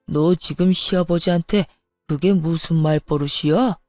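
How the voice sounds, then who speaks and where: A woman voicing a domineering older father-in-law who scolds his daughter-in-law in a low, gruff voice. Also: steady tone, unhurried, mellow, no room sound, studio quality, faint music behind, natural voice. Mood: angry.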